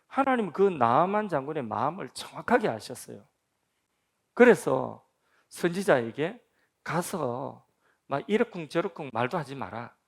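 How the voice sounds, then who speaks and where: A man's voice: mid-range voice, creaky. A man, a senior pastor, preaching a sermon at a church prayer meeting with emphatic delivery and frequent rhetorical questions to the congregation. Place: church sanctuary.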